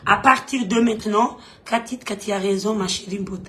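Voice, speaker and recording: Reading viewer comments on her live stream, a Malagasy host talks casually in French and repeatedly, emphatically tells off her audience. She has a bright, forceful, medium-pitched voice at a moderate pace.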